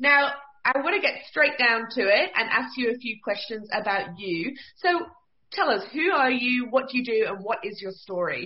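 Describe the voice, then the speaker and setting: A woman speaks at a moderate pace. Her high pitch swings very widely. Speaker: podcast host. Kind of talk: friendly interview.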